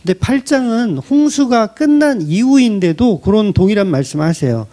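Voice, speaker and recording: Lively, high-pitched male pastor preaching. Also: normal speed. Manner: conversational preaching with rhetorical questions and humor. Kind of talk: sermon. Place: church.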